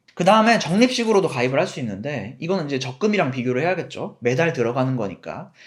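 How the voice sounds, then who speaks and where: Very fast and with hardly any pauses, a man speaks at a fairly high pitch with very wide pitch swings. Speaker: personal finance YouTuber, former bank teller. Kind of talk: finance explainer video.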